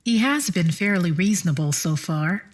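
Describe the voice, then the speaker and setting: An actress playing a composed, polite immortal attendant in an audio drama, speaking precisely and courteously with a guarded patience. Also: female voice, lowish voice, animated, moderate pace. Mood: patient, courteous.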